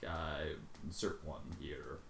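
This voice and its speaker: A man giving a dramatic reading with exasperated, sweary commentary and sudden loud outbursts. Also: a bass voice, fairly even intonation, slow pace, vocal fry, echoey room, noisy background. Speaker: fan fiction reader and commentator.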